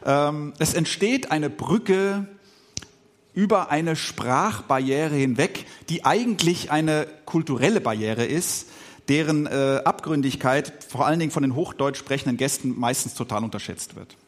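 A middle-aged man, a pastor who grew up speaking Swiss German, giving a reflective podcast sermon with pauses and filler sounds. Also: on the high side, expressive.

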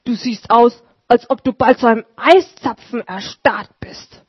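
A woman's voice: a little high, measured pace, breathy edge, no room sound. A woman voicing an eager old shoemaker. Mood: friendly. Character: kindly old male shoemaker, excitable. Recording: dull lo-fi recording.

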